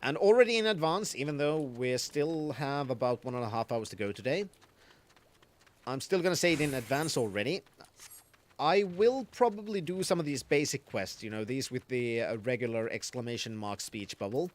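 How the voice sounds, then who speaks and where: A man's voice: mid-range voice, animated, moderate pace. A man streaming a game, chatting casually and explaining the mechanics as he plays, often restarting his sentences. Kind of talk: casual gaming commentary.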